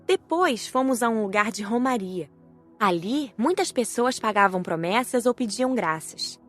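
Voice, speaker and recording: A Brazilian woman reading scripted audiobook narration in a measured storytelling manner. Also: mid-range voice, fairly bright tone.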